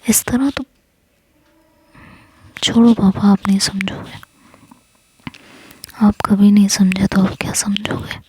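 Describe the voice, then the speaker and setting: A woman's voice: mid-range voice, steady tone, slow, long pauses, darkish tone, husky. A woman whispering as a stubborn touchy young woman. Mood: upset.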